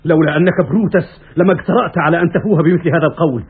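An actor playing a proud, hot-tempered Roman general, seething with anger and threatening, in classical Arabic radio theatre style. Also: male voice, on the high side, racing, close to an everyday voice. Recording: muffled, raspy, phone-like old radio recording.

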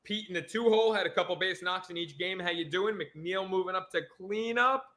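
Energetic New man co-hosting a sports podcast; bright, slightly high voice. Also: a little fast. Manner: excitable, energetic, jokey. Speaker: podcast co-host. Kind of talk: casual sports podcast chat.

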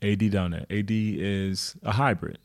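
Man, 30s, podcast host, lowish voice, playful devil's advocate in loose sports talk. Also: steady tone, moderate pace. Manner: playful, argues the other side. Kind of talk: casual sports chat.

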